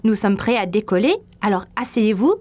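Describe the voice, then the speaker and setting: A woman's voice: medium pitch, moderate pace, lightly acted. A woman voicing a friendly airline captain in a dubbed cartoon, polite and announcing. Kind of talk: French-dubbed cartoon acting.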